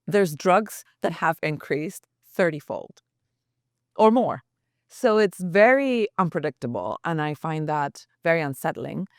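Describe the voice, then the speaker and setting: A woman's voice: low-pitched, expressive, a little slow, no room sound, studio quality. A woman journalist as a podcast guest, talking earnestly and thinking aloud with restarts. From United States. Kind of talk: reflective podcast interview.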